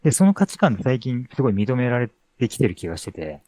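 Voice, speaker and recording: A man sharing his views in casual conversation, quick and reflective. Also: mid-range voice, sing-song, dark tone, dry recording. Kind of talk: casual chat.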